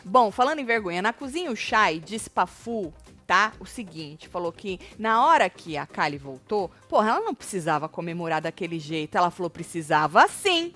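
A woman's voice: lowish voice, animated, a little fast, fairly bright tone, soft background music. A woman co-hosting a casual web show about a reality program, retelling events in a chatty, dramatic way. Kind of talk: casual gossip commentary.

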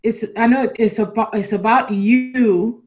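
A woman's voice: on the high side, steady tone, measured pace, a little mellow, highs cut off. A woman hosting an interview over a video call, encouraging her guest and rephrasing with small stumbles. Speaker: interview host.

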